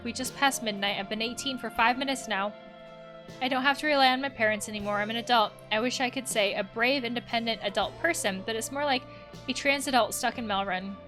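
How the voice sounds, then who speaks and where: A woman reads the part of a troubled young trans woman of eighteen in a video game. The voice is fairly high, earnest and confessional, over faint music. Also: fairly bright tone, lightly acted. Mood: despairing, yearning. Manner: confessional, reading out written messages.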